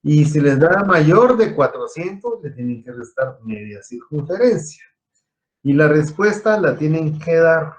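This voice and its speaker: A man from Guatemala teaching an online engineering class, explaining step by step and quizzing his students. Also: on the high side. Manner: explanatory, asks students questions.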